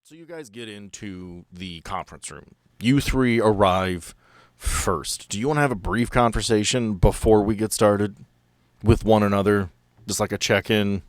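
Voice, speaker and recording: A man's voice: lowish voice, normal speed, clean tone, no echo. A man narrating a tabletop game casually as the game master.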